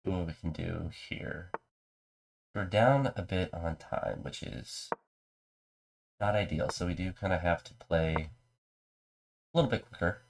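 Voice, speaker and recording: A man's voice: unhurried, vocal fry, long pauses, slight background noise. A man with a mild cold and a congested voice, casually talking through his chess moves on a live stream. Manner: low-key, talks through his moves.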